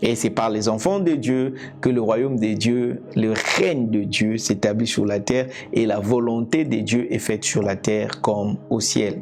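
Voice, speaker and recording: Speaking with a Congolese accent, a man keeps his loudness very even and his pitch variation ordinary, with audible room echo and noticeable background noise. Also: medium pitch for a man, fairly slow pace. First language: Lingala (speaking French). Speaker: evangelist preacher. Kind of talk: sermon.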